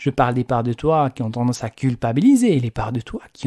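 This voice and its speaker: A man's somewhat breathy voice at medium pitch, with ordinary pitch variation and a fairly slow pace. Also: dry, close sound with no echo. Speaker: personal development podcaster. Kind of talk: motivational monologue. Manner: conversational, addressing listener directly.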